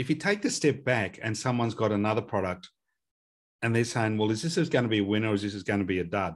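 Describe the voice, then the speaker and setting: In an Australian accent, a man with a fairly low voice talks very fast with ordinary pitch variation against a quiet background. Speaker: podcast host. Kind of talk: casual interview. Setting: video call. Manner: enthusiastic.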